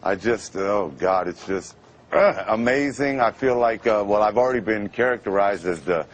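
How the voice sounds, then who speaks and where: A man in his fifties from Brooklyn speaks in a lowish voice as a guest on a live TV interview. He stumbles and restarts often, sounding emotional and halting. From Brooklyn, New York. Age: 50s.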